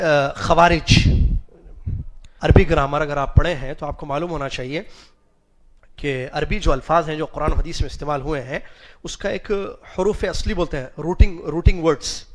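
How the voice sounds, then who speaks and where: A high-voiced man lecturing a class, pausing to quiz his students and chuckling at their answers. He spells out Arabic root letters one by one and slips English words into his explanations. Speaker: religious teacher.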